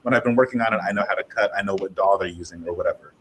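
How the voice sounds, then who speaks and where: A man speaking casually and a little ramblingly as a panelist in an online discussion, with a husky voice. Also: deep voice, racing, a bit bright, slight background noise, low-quality recording. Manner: rambling, self-interrupting. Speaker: panelist, fiction podcaster.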